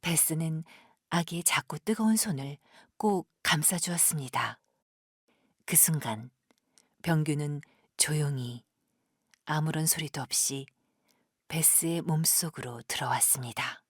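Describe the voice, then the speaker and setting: A female narrator tells a drama in a gentle, measured way. Her voice is low and breathy, captured close with a very dry sound. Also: no echo. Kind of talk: scripted audio drama narration.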